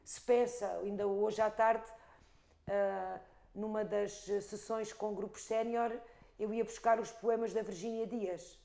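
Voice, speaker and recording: Expressive storytelling woman with a gravelly voice. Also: mid-range voice, slow pace. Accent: European Portuguese, Algarve. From Algarve, Portugal. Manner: expressive storyteller, rhythmic lists. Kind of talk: reflective interview talk.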